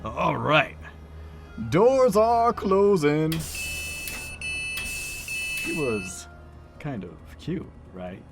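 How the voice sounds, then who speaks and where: An actor playing a cheeky, teasing train conductor in an audio drama. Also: male voice, on the high side, big pitch swings, extremely slow, vocal fry, long pauses, music in the background, exaggerated voice. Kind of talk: naturalistic audio drama acting.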